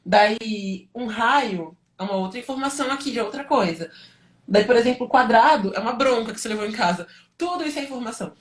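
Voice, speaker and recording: A woman's voice: a little high, expressive, fairly quick. A woman with a Brazilian accent giving an informal live lesson to students, explaining conversationally with rhetorical questions and frequent check-in tags. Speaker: teacher and study coach hosting a livestream.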